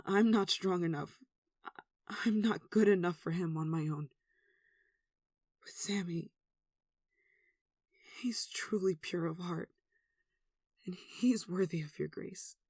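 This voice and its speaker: A performer playing a devout, tender human devoted to a demon in an ASMR roleplay, speaking softly and earnestly with emotion. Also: medium pitch, slow, long pauses, no room sound, clean studio sound. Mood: pleading, anguished. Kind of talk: ASMR roleplay, one-sided dramatic dialogue.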